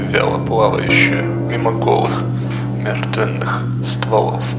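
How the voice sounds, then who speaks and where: A man at a fairly slow pace, with loud music in the background. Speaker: story narrator. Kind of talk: dramatic story reading.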